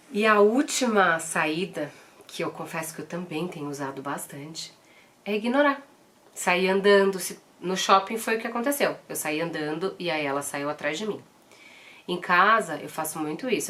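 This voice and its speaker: Brief: Brazilian woman, 30s, mother-vlogger, lowish voice, direct and earnest. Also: fairly bright tone. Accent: Brazilian Portuguese. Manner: earnest and direct, firm when quoting commands. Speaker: mother sharing parenting advice. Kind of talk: casual advice vlog.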